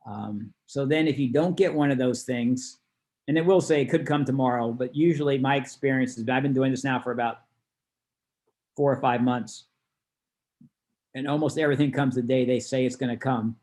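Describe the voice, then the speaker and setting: A man's voice: medium pitch, normal speed, darkish tone. Man teaching an informal online class. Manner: conversational, explanatory. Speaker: class instructor. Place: online video call.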